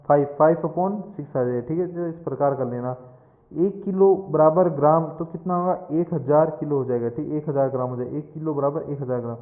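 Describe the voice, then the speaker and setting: A man, explaining exam answers as a coaching teacher, patient and repeating each answer. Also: a little high. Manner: patient, repeats answers, addresses listener directly. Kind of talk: explaining mock test answers. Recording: echoey, tinny phone-quality audio.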